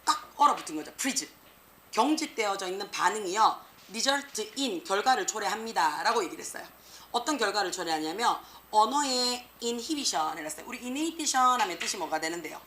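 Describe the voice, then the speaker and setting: A woman English teacher giving an exam prep lecture, lively and slangy, peppering students with rhetorical questions. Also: medium pitch, a little fast. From South Korea.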